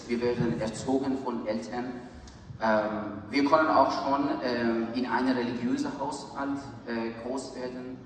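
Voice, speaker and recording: Guy in his 30s preaching, halting and earnest, sounds far off in a big echoey church. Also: mid-range voice. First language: Farsi. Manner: halting, searching for words, earnest. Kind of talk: sermon. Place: large church hall. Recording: echoey church hall from far off, faint hiss.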